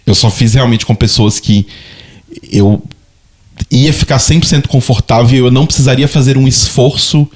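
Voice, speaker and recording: At a normal speed and with a steady, darkish tone of medium pitch, this podcast co-host, a man in his thirties with a Brazilian Portuguese accent, chats casually. He sounds reflective and hesitant, frequently repeating words as he gropes for them.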